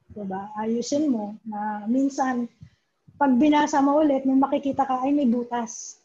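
A woman's voice: high-pitched, steady tone, normal speed, warm tone. A woman, a comics writer, chatting as an interview guest and mixing English into her talk, often asking "di ba?". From Philippines. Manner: chatty, mixes English into Tagalog, keeps asking "di ba?". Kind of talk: casual conversational interview. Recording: dull lo-fi recording.

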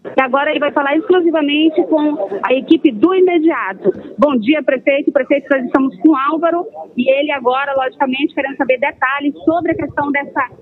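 A woman field reporter giving a live report with brisk, conversational reporting, heard over a crackly phone line. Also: high voice.

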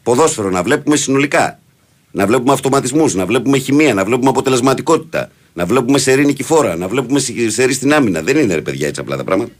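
A man's voice: medium pitch, lively intonation. A man hosting a morning sports radio show, arguing his point and repeating phrases to hold the floor. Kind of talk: casual studio talk.

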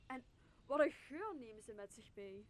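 A woman's voice: a little high, animated, normal speed, slight background noise, lightly acted. A woman playing an astonished, curious traveller in a radio play, with a questioning, theatrical delivery. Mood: scornful wonder. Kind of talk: stage-like radio drama acting.

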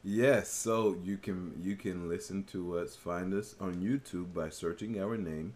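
A man's voice: sits low, measured pace, a little mellow. A man co-hosting a podcast, talking casually and hesitantly with many fillers and restarts. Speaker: podcast co-host. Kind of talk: casual chat.

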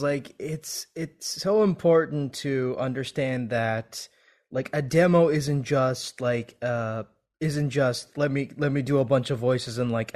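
A man's voice: mid-range voice, darkish tone. A man hosting a casual podcast conversation, talking eagerly with lots of "like" fillers. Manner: eager and chatty, many "like" fillers. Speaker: podcast host.

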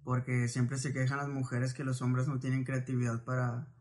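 A man speaking in a casual podcast conversation with a very flat, even delivery and a mid-range voice. He eases into his points tentatively, hedging before he says them. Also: mid-range voice, normal speed.

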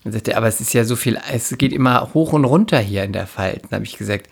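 A woman from the Palatinate in Germany chatting casually and telling comic anecdotes with dramatic, animated delivery. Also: extremely low pitch, fast talker, vocal fry, breathy edge. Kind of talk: casual comedic chat and anecdotes.

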